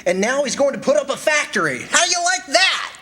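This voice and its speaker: A man's voice: extremely high pitch, very animated, brisk, sharp tone, exaggerated voice. An actor playing a breezy, boastful young businessman, hearty and slangy in a staged radio drama reading. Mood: boastful, excited.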